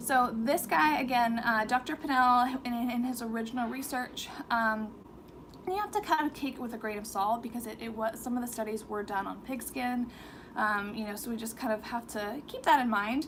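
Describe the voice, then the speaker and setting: A woman with a fairly high pitch talks at a moderate pace with ordinary pitch variation. There is noticeable background noise. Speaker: skincare YouTuber. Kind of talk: livestream product review. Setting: YouTube live stream at home. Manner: casual, with fillers and restarts.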